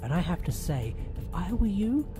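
A man's voice: high voice, sing-song, normal speed, music in the background. A man playing a quirky, inquisitive time traveller in an audio drama, polite and wry. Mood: curious, polite.

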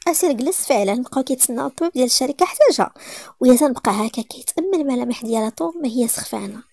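A woman with a Moroccan accent narrating a romance story in a rapid, lively reading. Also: high-pitched, creaky, no room sound.

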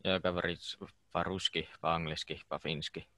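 Guy, real low voice, short hesitant student answers, dry call audio. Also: level tone, moderate pace, bright, forceful tone, no echo. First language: Finnish. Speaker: language student. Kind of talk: answering in a language lesson.

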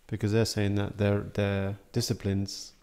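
Low, mellow young man thinking aloud. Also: completely flat delivery, unhurried. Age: young adult. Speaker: podcast guest. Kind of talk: casual podcast chat. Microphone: studio mic on a boom, headphones.

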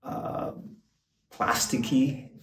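An older man, a guitar expert guest, explaining in a casual, halting way with many fillers and restarts, in a small backstage room. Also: a bit bright, far from the mic. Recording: roomy, off-mic, faint noise.

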